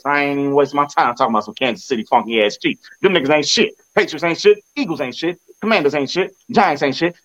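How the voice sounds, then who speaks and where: Brief: a boastful man hyping his team on a phone video, slightly high voice, muffled lo-fi sound. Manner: boastful, repetitive, swaggering trash talk. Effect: recorded on a phone. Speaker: sports fan vlogger. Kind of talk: casual football trash talk.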